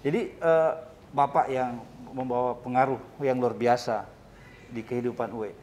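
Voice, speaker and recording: A man's voice: medium pitch, steady tone, unhurried, darkish tone, a little hiss or hum. A man hosting an interview show, chatty and casual, with frequent short agreeing replies.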